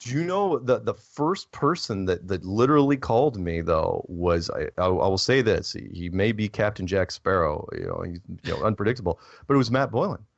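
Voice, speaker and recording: Man, podcast guest, casual rambling storyteller, animated quotes, muffled dry recording. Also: on the low side, moderate pace, creaky, few pauses, no room sound. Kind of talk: casual conversation.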